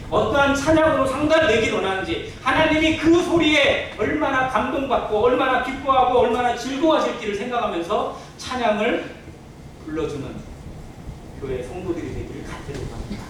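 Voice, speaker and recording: A male pastor preaches with a high, widely swinging voice. He explains earnestly and poses questions to his listeners. The sound is heavily reverberant, as if picked up from a distance in a church. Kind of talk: Sunday church sermon. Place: indoor church sanctuary. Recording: very echoey church hall, distant mic, faint noise.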